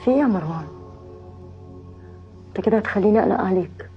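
An actress playing a tender, anxious wife in a screen drama, speaking softly with an Egyptian accent. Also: female voice, mid-range voice, animated, racing, close to an everyday voice. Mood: concerned. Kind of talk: naturalistic screen drama acting. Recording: dull muffled sound, faint music.

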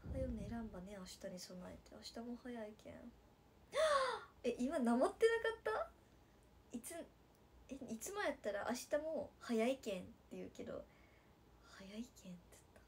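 A woman's voice: a little high, big pitch swings, a little fast, slight background noise. Sleepy young woman with a Nagasaki accent. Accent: Nagasaki dialect. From Nagasaki, Japan. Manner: drowsy, drifting into soft whispers, then bright squeals for viewers. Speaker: idol livestreamer. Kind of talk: casual livestream chat reading comments.

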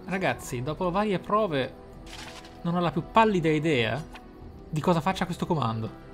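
Guy doing lets play commentary, bit high voice, excitable, thinks out loud, faint music behind. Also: moderate pace. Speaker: gaming channel host. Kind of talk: casual playthrough commentary. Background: game music.

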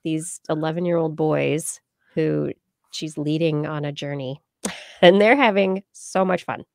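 A woman's voice: low voice, fairly even intonation, unhurried, gravelly, no echo. A middle-aged American woman hosting a casual livestream chat, playful and rambling, talking close into a large microphone. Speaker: podcast host. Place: indoors on a video call. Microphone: large microphone on a boom arm, close up.

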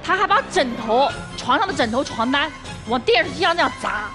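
A woman's voice: high-pitched, animated, over music. A young woman guest on a dating-conflict TV show, complaining indignantly about her partner and cutting in on him. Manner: fast, indignant, cuts in. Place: TV studio stage.

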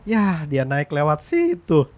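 Excitable gamer guy commentating. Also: a little high, slow. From Indonesia. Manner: excitable, slangy, swears in English often. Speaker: gaming YouTuber. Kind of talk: casual gameplay commentary.

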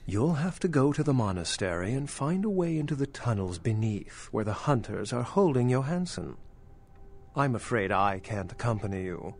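Urbane, animated vampire scholar. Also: male voice, mid-range voice. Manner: articulate, wry, formal. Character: urbane, scholarly male vampire archaeologist, dry and knowing. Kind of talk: video game dialogue acting.

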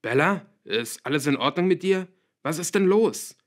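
A man's voice: a little high, animated, normal speed, voice pushed up, close to an everyday voice. A man voicing a worried middle-aged father who calls out anxiously, in an audiobook reading. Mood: panicked. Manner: calling out anxiously.

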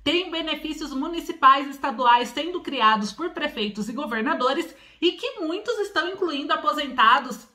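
A woman's voice: high voice, bright, forceful tone. A woman in her forties with a São Paulo accent, hosting a news vlog straight to camera from a small room at home, drawing out key words with emphasis. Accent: Paulista Portuguese with rolled R. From São Paulo, Brazil. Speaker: channel host.

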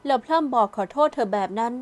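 A woman narrating an audio novel in a calm, gentle storytelling voice. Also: a little high, fast. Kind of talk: scripted narration.

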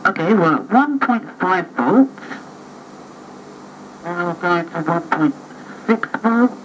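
A woman's voice: on the low side, expressive, slow, slight background noise. A woman, an electronics hobbyist, talking through a voltage test step by step, heard as a playback of a tape recorded through a carbon granule microphone. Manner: talks through each step while adjusting gear. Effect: played back from a tape recorded through a carbon granule microphone. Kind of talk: casual hands-on demo talk. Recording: faint, distant, gritty carbon-mic tape playback.

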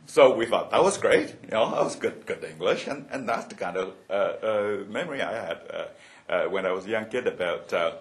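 A man's voice: fairly low pitch, animated. A man in his seventies from Hong Kong, sharing childhood memories at a roundtable, with many fillers and restarts and frequent chuckles. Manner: halting, many fillers and restarts, laughs often. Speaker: roundtable speaker. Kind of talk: personal reminiscence at a panel.

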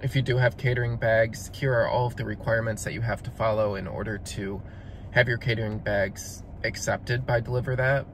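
A man's voice: medium pitch, steady tone, fairly quick, slight background noise. A man narrating a voice-over review of a delivery gig, explaining things step by step in a matter-of-fact way. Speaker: delivery driver vlogger.

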